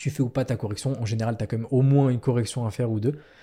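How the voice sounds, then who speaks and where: In a very clean recording with a silent background, a man speaks at a very fast pace at medium pitch, somewhat breathy, with a dark, mellow tone and fairly even intonation. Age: 20s. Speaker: student bodybuilder and entrepreneur. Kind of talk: casual chat.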